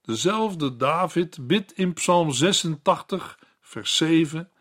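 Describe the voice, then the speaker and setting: Man calmly reading Bible commentary. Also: on the high side. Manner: calm, measured reading aloud. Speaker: Bible teacher.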